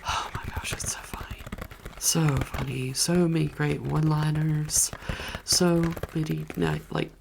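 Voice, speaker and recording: A woman softly whispering chatty, gushing movie recommendations as an ASMR vlogger. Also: sits low, fairly even intonation, measured pace, gravelly, noisy background. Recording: keyboard clicks and typing behind voice.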